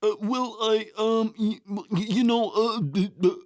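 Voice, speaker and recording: A woman's voice: a little high, fairly even intonation, a little slow, darkish tone, dry recording, studio quality, close to an everyday voice. A woman voicing a conceited, educated young man, a suitor in a children's storybook tale. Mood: flustered stammering.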